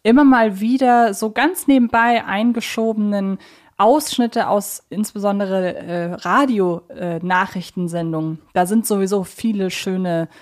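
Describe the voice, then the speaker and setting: A woman with a mid-pitched voice co-hosts a podcast discussion. She talks conversationally and explains her thoughts in an analytical, reflective manner. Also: measured pace, a little mellow. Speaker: podcast co-host.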